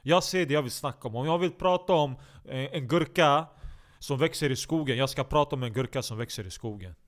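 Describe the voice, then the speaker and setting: A man delivering a rambling, profane comic monologue, jumping from loud outbursts to low mutters and often restarting his sentences. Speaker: comedic monologue host.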